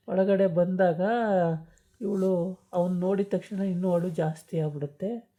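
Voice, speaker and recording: A woman's voice: on the low side, mellow. A woman chattily retelling a TV serial episode, with many hesitation sounds. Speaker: storyteller recapping a TV serial. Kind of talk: casual story retelling. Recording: dull lo-fi recording.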